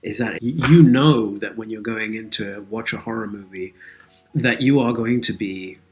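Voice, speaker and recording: A man with a fairly low voice speaks as an interview guest. He is earnest and reflective, working through his thoughts in a philosophical, conversational way. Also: moderate pace, soft background music, poor audio. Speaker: interview guest, audio drama creator and actor.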